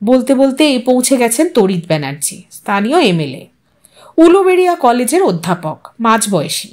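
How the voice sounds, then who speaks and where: Female narrator, high register, dramatic delivery for literary audio fiction. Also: big pitch swings, moderate pace, a little mellow.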